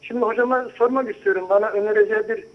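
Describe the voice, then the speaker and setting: A man's voice: high voice, steady tone, racing. A man calling in to a show over a landline phone, politely asking a question and checking that he can be heard. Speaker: caller. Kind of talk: call-in question. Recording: muffled phone line.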